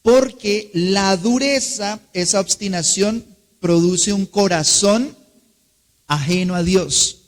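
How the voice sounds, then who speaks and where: A man, preaching a sermon as pastor, drawing out key words and asking the congregation questions. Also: sits high. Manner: slows and stretches key words for emphasis, asks the congregation questions. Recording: long reverb of a large hall.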